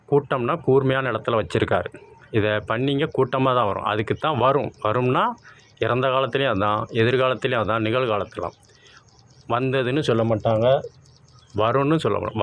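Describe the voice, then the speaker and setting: A man's voice: medium pitch, fairly bright tone, slight background noise. A man giving a talk on spiritual meanings of words, explaining patiently and repeating key phrases. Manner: repetitive, explains word sounds and meanings. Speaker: spiritual speaker.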